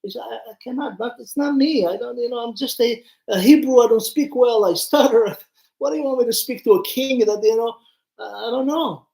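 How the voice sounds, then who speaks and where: Extremely high-pitched yet mellow and creaky, this man's voice runs a little fast. He is a rabbi teaching Torah informally through stories, speaking conversationally, performing dialogue, and posing questions to listeners in an echoey space.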